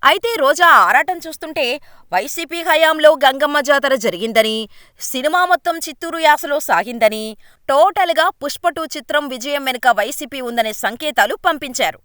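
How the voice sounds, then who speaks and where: A woman delivers a scripted news voice-over at a brisk, even clip, reading straight from the page. Her voice sits high and sounds bright, with a crisp edge. The recording is close and dry, with no room sound around her. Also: no room sound. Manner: brisk read-aloud delivery of a written script. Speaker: news narrator.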